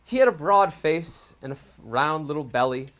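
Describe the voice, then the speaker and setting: A man's voice: a little high, expressive, normal speed, a bit bright. A man giving a dramatic, emphatic storytelling reading of a poem, with dry exasperated asides. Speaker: reader and host of a holiday poem segment. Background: music behind the reading.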